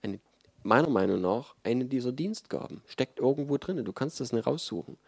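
A man's voice: mid-range voice, lively intonation, moderate pace, creaky, husky, no echo. A man giving a sermon in a conversational, emphatic way, with frequent fillers. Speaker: preacher.

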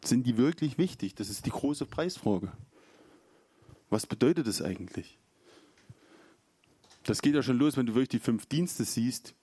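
A man's voice: medium pitch, animated, a little slow, pauses often, mellow, slightly rough, no echo. A man preaching an informal sermon, chatty and storytelling, acting out quotes along the way.

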